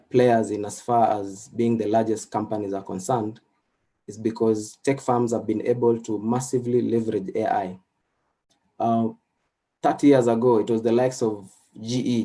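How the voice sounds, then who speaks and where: A man whose first language is Swahili, giving a recorded lecture with slides in an unhurried way, with many fillers and restarts. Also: mid-range voice, warm tone.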